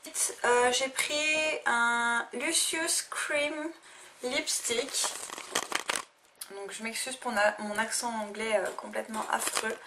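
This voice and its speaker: A woman's voice: on the high side, bright, forceful tone. A young woman casually reviewing makeup she bought, talking hesitantly with many fillers and restarts. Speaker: beauty vlogger. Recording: faint noise, a little distant from the mic.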